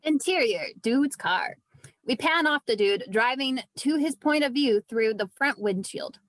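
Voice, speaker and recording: A woman reading screenplay stage directions as scripted narration, with vivid, deliberate storytelling. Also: high-pitched, lively intonation, a bit bright, dry recording, poor audio.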